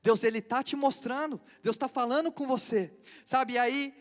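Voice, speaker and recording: A man's voice: extremely high pitch, normal speed. A man with a Brazilian Portuguese accent, a lead pastor preaching a sermon in a conversational way, often turning rhetorical questions to the congregation. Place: theater hall. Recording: long reverb of a theater hall.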